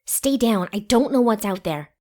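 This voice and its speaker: A woman's voice: mid-range voice, expressive, normal speed, a little mellow, natural voice. A woman voicing an earnest young female cartoon pony with a careful way of talking. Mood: urgent.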